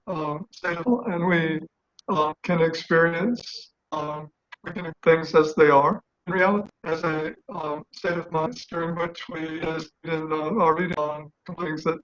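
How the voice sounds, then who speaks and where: A man asking a halting question on a video call, his audio breaking up and wavering, with many pauses and restarts. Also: on the high side, lo-fi sound. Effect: glitchy call audio breaking up and wavering. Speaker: discussion group participant.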